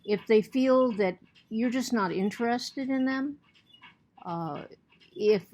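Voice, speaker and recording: A woman's voice: medium pitch, a little mellow. A woman teacher giving a recorded lecture to her students, earnest, often repeating and restarting words, and she has the hiccups.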